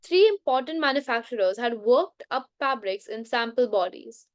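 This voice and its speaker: Woman, slightly high voice, reading a book aloud, frequent self-corrections, dry close sound. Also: animated, normal speed, no echo. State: coughing now and then. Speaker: book reader. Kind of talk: unscripted bedtime book reading.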